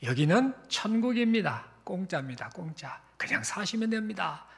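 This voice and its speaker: A man voicing a gentle male apostle who welcomes newcomers to heaven in a soft, reassuring way. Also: high-pitched, very animated, normal speed, vocal fry, full character voice.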